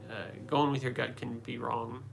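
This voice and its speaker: A man's voice: medium pitch, little pitch movement, moderate pace, gravelly, slight background noise. A man hosting a livestream, chatting casually and answering comments, rambling with many fillers and restarts. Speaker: livestream host answering chat.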